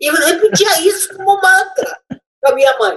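Extremely high in pitch, a woman's voice leaps through very wide pitch swings. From Portugal, Leiria region, moved to Brazil at seven. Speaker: gynecologist. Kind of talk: interview.

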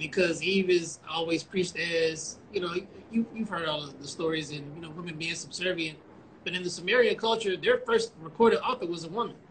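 Over noticeable background noise, a man with a high pitch speaks fairly quickly, using ordinary pitch variation and big swings in loudness. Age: 40s. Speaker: podcast host and attorney. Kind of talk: casual chat. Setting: Instagram live video.

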